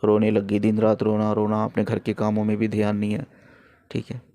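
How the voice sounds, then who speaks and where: A man's voice: on the low side, completely flat delivery, a little fast, mellow, dry recording. Earnest male spiritual counselor, dry sound. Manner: earnest, retells calls in quoted voices. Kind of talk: spoken storytelling talk.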